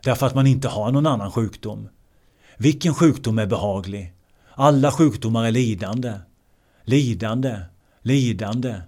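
Man giving a measured meditation discourse. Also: mid-range voice, darkish tone. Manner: measured, repeats key words. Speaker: meditation teacher.

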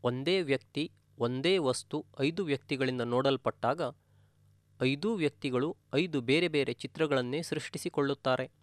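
Calm guy teaching meditation, steady explaining tone, mid pitch, no room echo. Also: clean studio sound. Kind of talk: spiritual discourse.

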